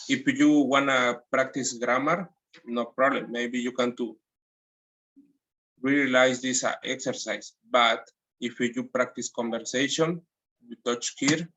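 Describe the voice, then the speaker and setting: Flat-voiced Mexican man teaching English. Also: medium pitch, poor audio. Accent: Mexican Spanish. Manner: reads slowly, with restarts and nonstandard grammar. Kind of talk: textbook lesson, repeating audio lines.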